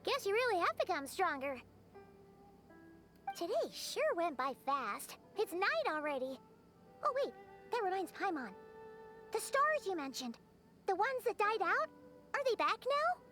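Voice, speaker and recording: A little fairy companion from a video game with an extremely high, squeaky voice. She is childlike and cheerful, bouncing up and down in pitch as she exclaims. Music plays clearly behind her. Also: sing-song, a little slow, pauses often, sharp tone, exaggerated voice. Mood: curious, chatty. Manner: cheerful, exclamatory, refers to herself in the third person. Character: small, bubbly, childlike female fairy companion. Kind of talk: video game character dialogue.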